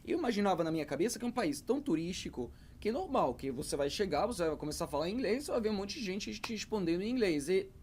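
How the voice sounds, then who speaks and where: A man's voice: high voice, big pitch swings, fast, few pauses, darkish tone, a little hiss or hum. Hesitant man explaining to camera. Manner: hesitant, with frequent fillers and repeated words. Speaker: founder and English teacher. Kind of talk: talking to camera about learning English.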